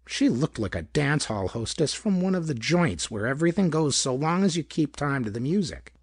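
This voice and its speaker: A man narrating a pulp detective story in a gravelly, husky voice, with dramatic storytelling delivery. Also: on the high side, big pitch swings, normal speed, dry recording, clean studio sound. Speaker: audiobook narrator. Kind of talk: scripted narration of hardboiled pulp detective fiction.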